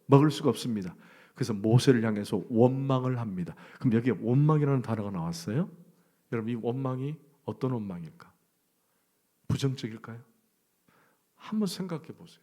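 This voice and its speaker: Male pastor, middle-aged, mid-pitched; conversational sermon, loud stresses and soft asides. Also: lively intonation, brisk. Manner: conversational preaching, quizzes the congregation with questions; swings between loud emphasis and hushed near-whisper.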